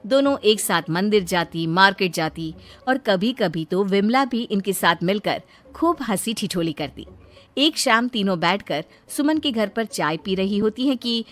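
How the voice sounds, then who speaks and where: A woman narrating a cartoon moral story in an even storytelling manner. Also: mid-range voice, unhurried.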